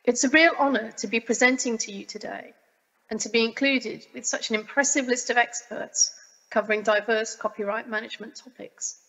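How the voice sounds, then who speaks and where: Croaky woman giving a recorded talk. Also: fairly high pitch, fairly even intonation, pushed and bright, big-room sound, lo-fi sound. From United Kingdom. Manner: formal and measured. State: croaky, getting over a cold. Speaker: guest speaker. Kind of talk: pre-recorded conference presentation. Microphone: webcam video recording.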